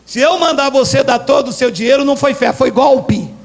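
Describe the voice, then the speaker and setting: Man, Brazilian Portuguese accent, pastor preaching, very high-pitched voice, shouting bursts, joking asides. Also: a little fast, gravelly. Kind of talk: sermon.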